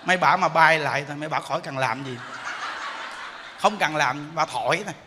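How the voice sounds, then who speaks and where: A man giving a jokey, animated Buddhist sermon in a large temple hall, often laughing while he speaks. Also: on the high side, fairly quick, background noise. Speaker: Buddhist monk giving a dharma talk.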